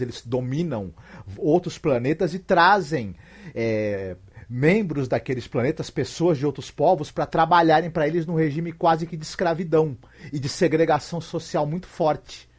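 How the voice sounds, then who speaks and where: A Brazilian man in casual, explanatory podcast talk, repeating words and halting as he thinks. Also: a little high, slightly rough. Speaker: podcast guest giving recommendations.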